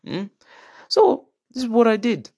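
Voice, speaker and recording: A young man with a Kenyan accent tells stories in a casual, animated, chatty monologue, checking in with the listener and dropping in Swahili slang. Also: extremely high pitch, a little slow, creaky, breathy edge, dry recording, lo-fi sound. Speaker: podcast host.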